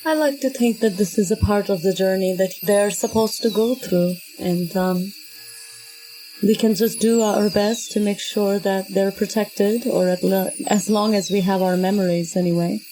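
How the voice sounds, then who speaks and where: A woman's voice: medium pitch, steady tone, moderate pace, warm tone, soft background music, low-quality recording. A woman improvising casually as a player in a tabletop role-playing game.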